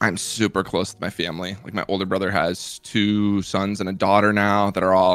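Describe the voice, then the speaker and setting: A man with a slight Minnesota accent speaks at a fairly low pitch and a moderate pace. His intonation is monotone and flat, with hardly any pauses. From US Midwest, rural Iowa. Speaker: Madden YouTuber and content creator. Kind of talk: casual interview.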